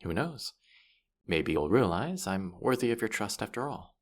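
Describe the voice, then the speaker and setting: A low-voiced, impish male spirit of the afterlife, acted by a man in a fantasy audio drama. He teases and boasts theatrically, swooping freely up and down as he offers mock sympathy. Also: sing-song, moderate pace. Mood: smug, playful. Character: playful, boastful male disembodied afterlife trickster spirit guide. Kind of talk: scripted fantasy audio roleplay acting.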